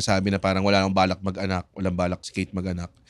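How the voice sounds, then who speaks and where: A man's voice comes through dry with no echo against a quiet background. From Philippines. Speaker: comedian and podcast host; comedian, podcast host. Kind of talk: casual chat. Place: studio. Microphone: studio mic.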